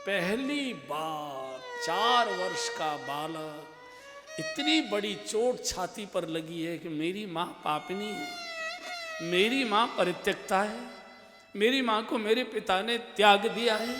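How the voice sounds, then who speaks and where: A man's voice: high voice, unhurried. A man telling a devotional story in a sermon, with emotional, dramatic delivery. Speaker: preacher. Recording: echoey hall with music behind.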